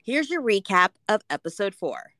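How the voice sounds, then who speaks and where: A woman's voice: mid-range voice, big pitch swings, moderate pace, pushed and bright, no room sound, clean studio sound. An American woman co-hosting a podcast in a casual, conversational recap style. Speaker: podcast co-host.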